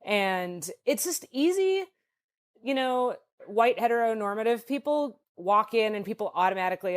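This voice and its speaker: A woman in her thirties from the United States, a folk singer guest talking earnestly and reflectively in a casual interview. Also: medium pitch. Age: 30s. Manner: earnest, reflective, says "like" often.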